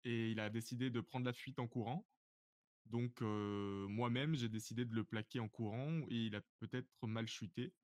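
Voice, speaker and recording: Brief: male cop witness, matter-of-fact, clear tone, dry mic. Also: medium pitch, fairly even intonation, darkish tone, no room sound. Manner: plain, halting report. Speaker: roleplay police officer. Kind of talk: testimony in roleplay court.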